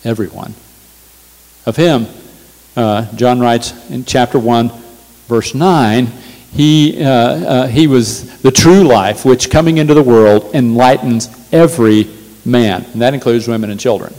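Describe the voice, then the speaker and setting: A man's voice: mid-range voice, unhurried, darkish tone. Emphatic man preaching in a reverberant hall. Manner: emphatic, repeats key phrases. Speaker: pastor. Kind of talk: sermon. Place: church sanctuary.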